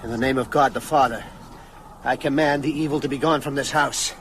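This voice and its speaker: An actor playing a solemn, commanding Catholic priest in a radio drama, declaiming against evil. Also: male voice, medium pitch, steady tone, brisk, slight background noise, natural voice.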